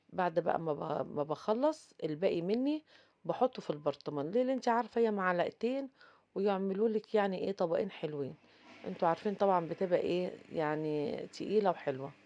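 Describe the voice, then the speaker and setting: Egyptian woman cooking host, quick and chatty, low mellow voice, dull lo-fi sound. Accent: Egyptian Arabic. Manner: chatty, addresses viewers directly, frequent fillers. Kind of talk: casual cooking tutorial.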